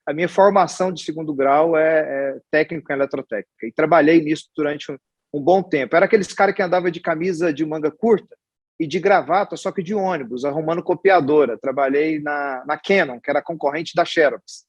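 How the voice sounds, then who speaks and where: A man in his forties with a Goiás accent talks through his life story in a casual interview. His voice is husky and pitched a little higher than most men's. He rambles warmly, restarting phrases and tagging on little questions, and the sound is close and dry. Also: a little fast, no room sound, dull audio. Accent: Goiás Brazilian Portuguese. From Goiás, Brazil. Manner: chatty and storytelling, with many restarts and tag questions. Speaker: guest, hospital executive.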